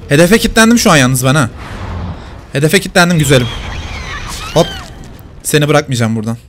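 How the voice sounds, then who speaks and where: A man's voice: fairly high pitch, very animated, fairly quick, soft background music. A man commenting live on his own gameplay, teasing the players he hunts.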